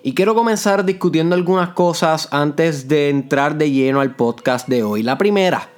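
A young Puerto Rican man hosts his own podcast, talking in a slightly higher-than-usual voice. He explains his ideas earnestly and carefully, and drops English words into his Spanish. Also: moderate pace. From Puerto Rico. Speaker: podcast host. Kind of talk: motivational podcast monologue. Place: parents' house in the countryside. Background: neighbor's old music and roosters.

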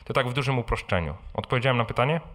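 A man's voice: medium pitch, expressive, racing, fairly bright tone. A man hosting a live question and answer talk, speaking informally, repeating words and often adding short tag questions. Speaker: host answering audience questions. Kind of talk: live Q&A talk on personal finance. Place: live event before an audience.

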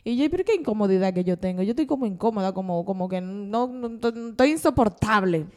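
A woman's voice: mid-range voice, fast talker. A woman co-hosting a casual Christian talk show, telling personal faith stories with animation and frequent laughter. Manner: animated storytelling, laughs often. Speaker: podcast co-host.

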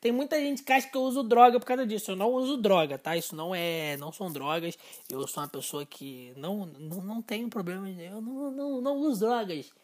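A man's voice: high-pitched, fast talker. A Brazilian man hosting a casual solo podcast, rambling and self-mocking, drifting off topic and restarting his sentences with repeated words. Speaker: podcast host.

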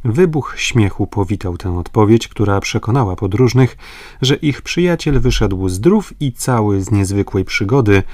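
A man reading an audiobook aloud in clear, expressive scripted narration on a close mic. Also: lowish voice, moderate pace, no room sound.

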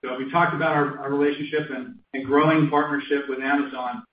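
A male company executive answers on an earnings call in assured, wordy business language. His mid-pitched voice sounds dull and set back from the mic, in a roomy space. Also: flat delivery, a little fast, far from the mic. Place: conference call from a room.

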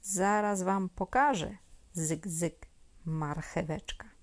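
A woman voicing a tiny, brave little girl in a children's storybook, speaking in a bright, eager, childlike way. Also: lowish voice, slow.

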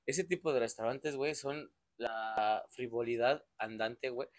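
A man's voice: medium pitch, steady tone, unhurried, dry recording, studio quality. A young man with a Mexican accent chatting casually as co-host, tossing in jokes and laughing often. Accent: Mexican Spanish. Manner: laughs often, jokey interjections. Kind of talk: casual chat.

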